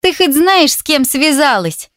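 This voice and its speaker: A woman's voice: high-pitched, sing-song, measured pace, a bit bright, no echo, studio quality, pitched above the performer's own voice, exaggerated voice. A woman reading an audiobook, voicing a coquettish, spiteful young woman who taunts over the phone. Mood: mocking, venomous. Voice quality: mocking, sugary and spiteful. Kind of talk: audiobook character voice.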